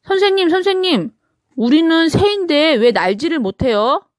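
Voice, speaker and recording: A woman's voice: high voice, animated, normal speed, no room sound, clean studio sound, voice pushed up. A woman voicing a cheerful little boy penguin chick in a children's storybook reading. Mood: excited. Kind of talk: storybook character voice.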